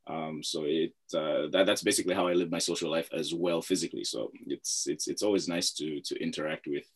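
A man's voice: rumbling low, a little fast, husky. A man from Zambia, a guest chatting casually in an interview, often repeating words and laughing easily.

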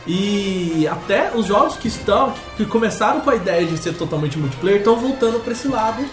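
Podcast co-host, male, high and very lively pitch, echoey room with faint music behind. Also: fairly quick. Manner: animated storyteller, acts out quotes. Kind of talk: casual podcast chat.

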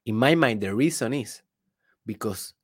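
A husky, mid-range male voice with lively intonation moves along at a normal speed. The speaker, a native Spanish speaker with a Spanish accent, is a business coach giving a solo motivational address with plenty of emphasis and rhetorical questions aimed at the listener.

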